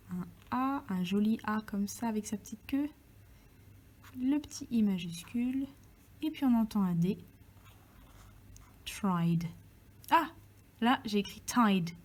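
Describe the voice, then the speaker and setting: Woman teaching phonetics, talks real slow and mellow, half whispers as she writes. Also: medium pitch. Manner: slow, talks to herself while writing, drops into soft whispers. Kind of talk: step-by-step transcription lesson.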